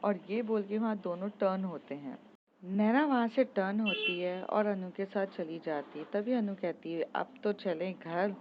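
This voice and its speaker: A woman narrating a love story casually in a podcast, with an informal, halting delivery full of filler sounds. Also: medium pitch, dull audio, background noise.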